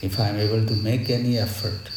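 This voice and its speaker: A man giving a devotional Hindu sermon with prayer as a spiritual teacher, speaking in a measured, reverent and reflective way with deliberate pauses. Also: lowish voice, steady tone. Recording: echoey space with background noise.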